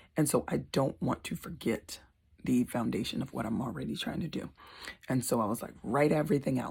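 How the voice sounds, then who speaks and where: Speaking fairly quickly, a woman uses a very deep, low voice with vocal fry and lively intonation. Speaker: mom entrepreneur vlogger. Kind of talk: casual vlog monologue.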